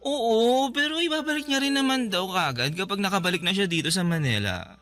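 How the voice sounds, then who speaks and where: An actor in a Filipino radio drama, a man playing a trusting, soft-hearted gay salon owner who is easily flustered. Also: high voice, expressive, brisk. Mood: defensive. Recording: music bed under the dialogue.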